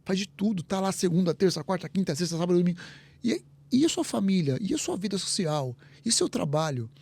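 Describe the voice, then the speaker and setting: A man's voice: high-pitched, animated, fairly quick, vocal fry, a little mellow, breathy edge. A man with a Brazilian Portuguese accent, a co-host in a casual podcast chat, who thinks aloud and often repeats words. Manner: reflective, hesitant, repeats words.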